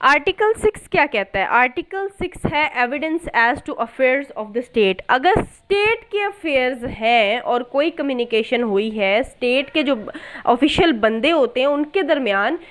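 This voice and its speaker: A woman's voice: high voice, animated, unhurried, a bit bright, low-quality recording. A woman with a South Asian accent giving an explanatory law lecture, going step by step with rhetorical questions and mixing in English terms. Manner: code-switches between Hindi-Urdu and English terms. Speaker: law teacher. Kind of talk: explanatory lecture on statute articles.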